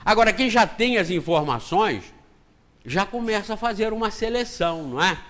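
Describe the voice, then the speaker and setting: A man's voice: high-pitched, expressive, moderate pace, fairly bright tone. A man with a Brazilian accent giving a spiritist lecture, conversational and joking, acting out little dialogues as he goes. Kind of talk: spiritist lecture with homely anecdotes.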